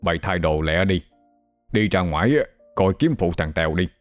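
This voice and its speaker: Guy doing a gruff old grandpa, low, hurried scolding, faint music. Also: lively intonation. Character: older village man, gruff grandfather.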